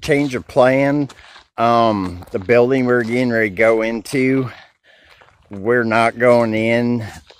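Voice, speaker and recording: A man talks at a very slow pace with fairly even intonation, the sound dry with no echo. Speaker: vlogger exploring a property. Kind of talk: casual vlog chat. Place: open country. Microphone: phone near.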